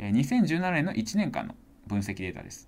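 Very wide pitch swings from a man, captured very cleanly against a silent background. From Japan, Chiba. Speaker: horse racing YouTuber. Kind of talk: data-driven commentary video. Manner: frequent fillers (えー, まあ).

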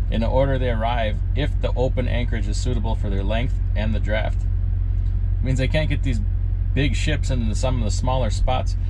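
A man's voice at very even loudness amid noticeable background noise. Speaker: truck driver vlogger. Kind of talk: casual vlog commentary. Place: car. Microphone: phone near.

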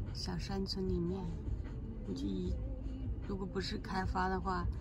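At a moderate pace, the speech comes through with a dry sound and no echo, over noticeable background noise. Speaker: travel vlogger. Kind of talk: casual vlog chat. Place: car. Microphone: phone near.

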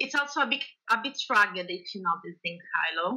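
Her tone bright and sharp, a woman speaks in an Italian accent. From Italy (Sicily). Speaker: costume designer. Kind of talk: casual interview chat. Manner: frequent hesitations and fillers.

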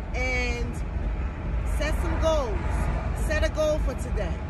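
A woman amid loud background noise, the sound dry with no echo. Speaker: delivery driver vlogger. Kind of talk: casual vlog chat. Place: car. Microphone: phone near.

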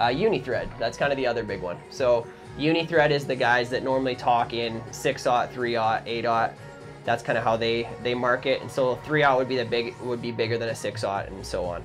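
Clear music plays in the background as a man speaks. He keeps a moderate pace with fairly even intonation. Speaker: fly tying host. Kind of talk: casual explanatory talk on a live show. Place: studio.

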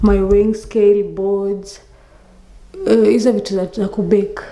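At a fairly slow pace, a woman talks in a room with audible echo. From Kenya. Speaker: food and lifestyle vlogger. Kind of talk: house tour vlog. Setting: echoey large kitchen, home recording. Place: home room. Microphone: phone near.

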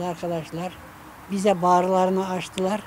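At a moderate pace, a man talks in a high voice with monotone, flat intonation. The sound is dry with no echo, over light background noise. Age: 70s. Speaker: retired railway worker. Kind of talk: interview answer. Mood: grateful, emotional recollection.

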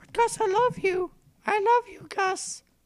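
This is a put-on character voice, squeaky and extremely high in pitch. It moves at a fairly slow pace. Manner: silly, lovesick, terrible voice.

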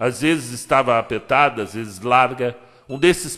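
With music in the background, a man speaks at a medium pitch and moderate pace with ordinary pitch variation. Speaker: audiobook narrator. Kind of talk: horror audiobook reading.

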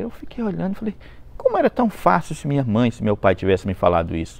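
The voice has vocal fry and moves through very wide pitch swings. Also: man. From Brazil, Rondônia. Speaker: gardening instructor and YouTuber; teacher. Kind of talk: tutorial. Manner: animated. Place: garden. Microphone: lapel.

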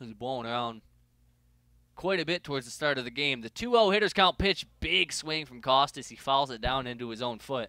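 Upbeat and enthusiastic, a man with a medium pitch talks at a fairly quick pace in a bright, sharp tone, his intonation lively and his loudness swinging widely. The sound is dry with no echo over a quiet background. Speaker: baseball play-by-play broadcaster. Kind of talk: live baseball play-by-play commentary. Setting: stadium broadcast booth, solo on the call. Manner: fast, fluid, energetic play-by-play patter, calling each pitch and count; conversational and upbeat, enthusiastic about big plays and stats.

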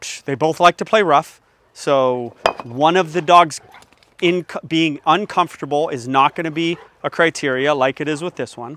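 Over light background noise, a man's fairly high, bright, sharp voice shows ordinary pitch variation in a dry sound with no echo. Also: moderate pace, big swings in loudness. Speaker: dog trainer. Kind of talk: tutorial. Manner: loud. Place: garden.

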